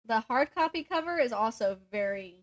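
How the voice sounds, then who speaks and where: Young woman on a book podcast, kinda high voice, giggly, chatty, puts herself down a bit. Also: expressive, normal speed. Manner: giggly, self-deprecating. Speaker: podcast co-host. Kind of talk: casual book chat with synopses read aloud.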